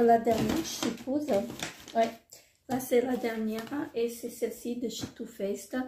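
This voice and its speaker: A woman's voice: fairly high pitch, mellow, slight background noise. Woman vlogger, casual haul chat, gushing with lots of fillers, in a roomy echo. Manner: hesitant, many fillers, gushing. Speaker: beauty vlogger.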